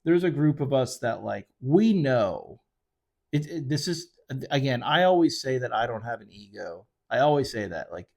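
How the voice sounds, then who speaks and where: A man's voice: mid-range voice, animated, moderate pace, vocal fry, a little mellow. Rambling man talking fishing. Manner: rambling, conversational, with frequent fillers and self-corrections. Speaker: fishing charter guide and show host. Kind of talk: casual solo commentary on a fishing tournament. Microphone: desk microphone.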